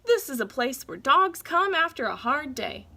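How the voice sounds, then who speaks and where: A confident boss dog from a children's storybook, put on by a woman reader. He is easygoing and sure of himself, explaining his world emphatically in a bright, raised voice. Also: high voice, big pitch swings, moderate pace, vocal fry, slight background noise, pitched above the performer's own voice, full character voice. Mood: proud, enthusiastic.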